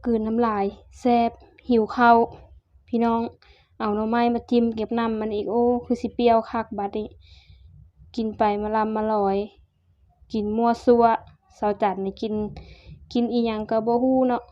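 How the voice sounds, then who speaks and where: A young woman with an Isan accent, chatting casually to viewers in a cooking and eating vlog, warmly calling them family and slipping into dialect. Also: on the high side, flat delivery, moderate pace, pauses often, no room sound. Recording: dull, dry sound.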